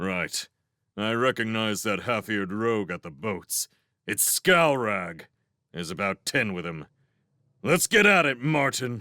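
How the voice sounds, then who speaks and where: A raspy, put-on character voice moves at a moderate pace, with long, frequent pauses. The recording is very clean, with a silent background. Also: man, fairly low pitch for a man. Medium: read story.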